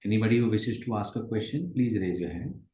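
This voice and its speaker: A man moderates a business call politely and formally. His voice is fairly low and mellow, and the sound is noticeably roomy and echoing. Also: animated, fast talker. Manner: polite, procedural. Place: online conference call.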